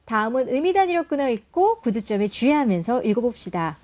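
A woman coaching picture book reading aloud, explaining step by step and modelling English phrases slowly with exaggerated intonation. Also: fairly high pitch, very animated, a little mellow. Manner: encouraging, explains step by step with questions to the viewer.

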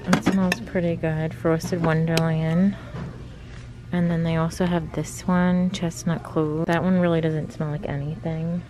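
A woman in her thirties muses aloud through a face mask as she browses store shelves, filming on her phone. Her voice sits a little low and she talks at an unhurried pace. Store noise is plain behind her. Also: little pitch movement. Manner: chatty, musing aloud while browsing. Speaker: vlogger. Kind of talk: casual shop-with-me narration. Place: large store indoors. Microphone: handheld phone camera. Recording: noisy store ambience.

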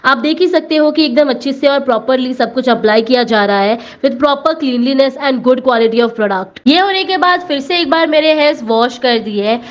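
A woman's voice: sits high, lo-fi sound. An Indian woman vlogger narrating a scripted voice-over, switching between Hindi and English phrases. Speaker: vlogger reviewing a salon.

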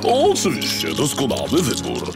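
A booming octopus barman played by a man from a children's storybook, polite and eager to serve. His pitch swoops wildly, with loud music behind. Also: wildly swooping pitch, a little slow. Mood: obliging. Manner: polite, servile. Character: big obliging male octopus bartender.

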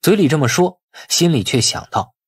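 A male audiobook narrator with a slightly husky voice tells a dramatic story. His pitch is mid-range but moves in lively swings, and the sound is dry and studio-close. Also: normal speed, dry recording.

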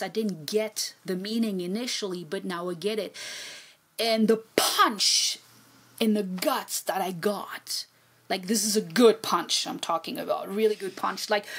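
A middle-aged woman whose first language is French, a poet and translator, joins a casual conversational interview as a guest over a video call from a home room with bookshelves. Her mid-range voice has a breathy edge, and she talks animatedly and expressively, repeating words when excited.

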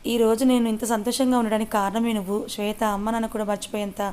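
A woman's voice: fairly high pitch, flat delivery, fast, clean tone, close to an everyday voice. A woman voicing a thankful, newly married young woman in a read-aloud story. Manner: warm, thankful.

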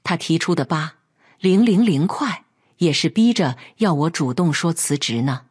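A woman voicing an indignant, sharp-tongued young wife who scolds her selfish father-in-law in a read-aloud story. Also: sits low, animated, normal speed, breathy edge.

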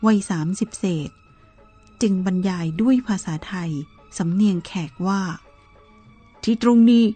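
Mellow, husky woman reading a story. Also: medium pitch, moderate pace, soft background music. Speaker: narrator. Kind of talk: reading a Buddhist novel aloud.

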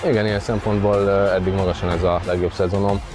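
Deep, even-voiced young male footballer. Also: a loud crowd. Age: 20s. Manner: hesitant, repeats words. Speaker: footballer being interviewed. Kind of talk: interview answers. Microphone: lapel mic. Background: music.

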